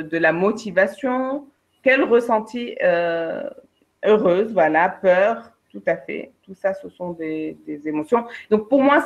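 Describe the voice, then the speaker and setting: A woman, a career coach and trainer giving a lively webinar talk, speaking straight to her participants and acting out her examples. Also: mid-range voice. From Algeria. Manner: lively, addresses participants directly, acts out examples. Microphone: video call. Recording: dull lo-fi online webinar audio.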